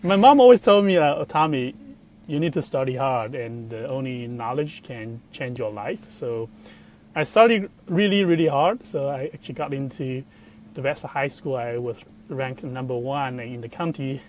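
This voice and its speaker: A middle-aged man from southern China with a Chinese accent, telling his personal story as an interview guest in a halting way. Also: mid-range voice, darkish tone, a little hiss or hum, rough recording. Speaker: guest, computational biologist.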